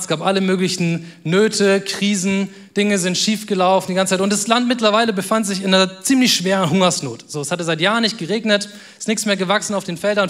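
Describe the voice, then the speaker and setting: A man preaching a sermon in a casual, youthful way, dropping to soft, quiet tones for weighty moments. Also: high voice. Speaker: pastor.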